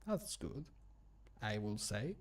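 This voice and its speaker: A man's voice: fairly low pitch, sing-song, slow pace. A man in his thirties chatting casually on a livestream, rambling and easily sidetracked, recorded at a desk microphone in a small room. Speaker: livestreamer and mod maker. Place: small closed room at home. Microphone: microphone at a desk, streaming.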